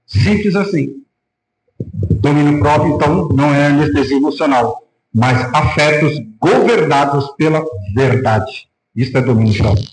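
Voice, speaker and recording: A man with a Brazilian Portuguese accent, a pastor preaching a sermon in an animated way. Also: fairly high pitch, normal speed. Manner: animated preaching, acting out quoted voices. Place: church hall. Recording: echoey church room.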